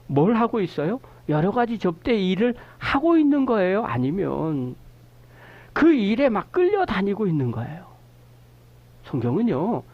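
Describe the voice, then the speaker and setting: A pastor delivers a Sunday sermon with a lively, swooping delivery, often putting questions to the listeners. The sound is a little muffled and lo-fi. Pitch sits in a middle range. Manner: animated preaching, asking the congregation questions; explains a scripture word's meaning slowly. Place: church sanctuary.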